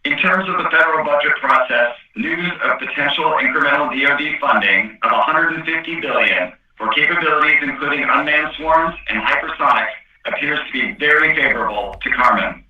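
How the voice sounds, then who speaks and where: Echoey, very bright-voiced male executive. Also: on the high side, a little fast, recorded from a distance, a little hiss or hum. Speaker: company executive presenting on an earnings call. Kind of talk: scripted corporate presentation. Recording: echoey, muffled conference call line.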